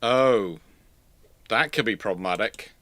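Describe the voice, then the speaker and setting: Bright-voiced man talking off the cuff, stammering. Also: fairly low pitch, a little slow. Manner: stammering, repeats words and restarts mid-phrase. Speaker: livestream host answering viewer questions. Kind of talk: casual live question-and-answer talk on naval history.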